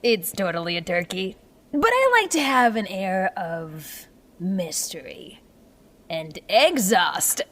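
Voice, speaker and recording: A woman's voice: mid-range voice, big pitch swings, takes it slowly, fairly bright tone, slight background noise. A woman playing a scrappy, upbeat engineer in a sci-fi audio drama, with a wry, rambling way of talking. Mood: hopeful, musing.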